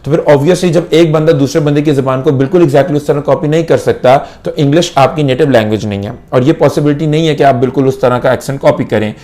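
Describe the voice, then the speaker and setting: A man's voice: medium pitch, fast, hardly any pauses, warm tone. A young Pakistani man, an IELTS instructor, gives a lesson to camera in Urdu mixed with English and repeats key points for emphasis.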